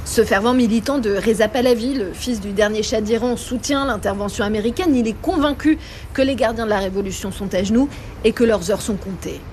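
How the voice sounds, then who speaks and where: A woman narrating a scripted radio news report from the field, calm and even. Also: a little high, a little fast, slight background noise.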